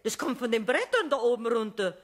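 A woman's voice: a little high, big pitch swings, a little fast. An actress playing a polite, easily indignant lady customer in a radio play, courteous but prim. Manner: courteous, turning prim and miffed.

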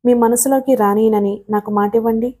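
A woman's voice: on the high side, steady tone, moderate pace, dark tone, natural voice. A woman reading an earnest loving wife. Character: loving anxious young wife.

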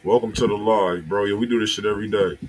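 A man in his thirties with an American accent hosts a music review livestream from a small indoor room, talking fast in slangy, casual chat aimed straight at his viewers. His voice sits fairly low with fairly even intonation, and the audio carries noisy livestream room sound.

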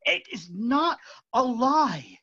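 Man acting a slow, tormented phantom, wildly swinging pitch. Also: big pitch swings, creaky, slightly rough, no echo, heavily acted. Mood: anguished. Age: middle-aged. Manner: halting, dramatic, swinging between hushed and loud. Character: tormented, obsessive masked phantom, possessive male lover. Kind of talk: theatrical staged reading. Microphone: computer mic on video call. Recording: muffled video call audio.

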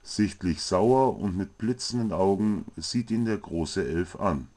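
Slow, low-voiced male storyteller. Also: darkish tone. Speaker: narrator. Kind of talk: scripted comic fantasy storytelling.

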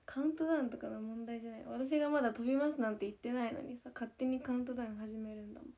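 Young idol girl chatting away, kinda high, soft mellow voice, giggles a lot. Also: racing. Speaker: idol group member. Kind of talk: casual chat to viewers.

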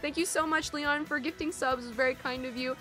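A young woman hosting a casual game stream, loud and excitable, her throat strained from screaming. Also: high voice, fast. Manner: loud, excitable, shrieks at plays. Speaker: streamer host. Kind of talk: casual gaming stream chat. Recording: light game music behind.

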